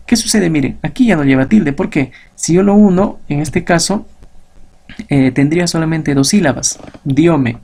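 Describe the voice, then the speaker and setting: Man, teacher, recorded lesson, raspy, gravelly, poses and answers his own questions. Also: on the high side, darkish tone.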